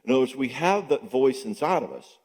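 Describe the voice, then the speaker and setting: An older man, a psychologist, giving an animated conference talk in a church, asking rhetorical questions and acting out quoted voices. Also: mid-range voice, a little fast. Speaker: psychologist speaking at a marriage conference. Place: church sanctuary. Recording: long church hall reverb.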